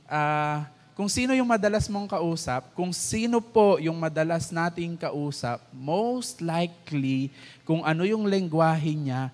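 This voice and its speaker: A man's voice: fairly high pitch, lively intonation, unhurried, a little mellow. A man with a Filipino accent giving a conversational church teaching, mixing English into his talk and acting out quoted lines. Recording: church hall with long reverb.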